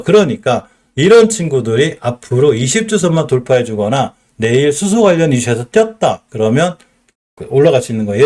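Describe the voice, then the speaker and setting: A man's voice: medium pitch, darkish tone. A middle-aged man with a Chungcheong accent, teaching stock charts on a live stream, explaining and asking and answering his own questions. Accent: Chungcheong Korean.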